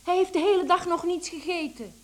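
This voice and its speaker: A woman's voice: extremely high pitch, brisk. An actress playing an earnest, caring young daughter in a radio drama, with a girlish manner.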